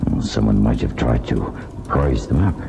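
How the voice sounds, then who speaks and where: A man's voice: extremely low pitch, moderate pace, vocal fry, heavily acted. An actor playing a bluff, skeptical village doctor who teases his friend in colloquial old-time radio drama style. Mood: puzzled. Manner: bluff, colloquial, peppered with "eh" and "aye". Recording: muffled, noisy old radio recording.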